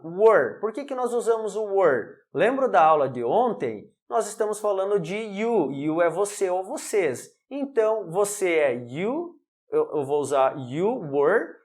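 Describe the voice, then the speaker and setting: Man teaching English, slow clear examples. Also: sits high. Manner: explains step by step, checks in with "ok?" and "alright?"; pronounces English examples slowly. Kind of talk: online English lesson.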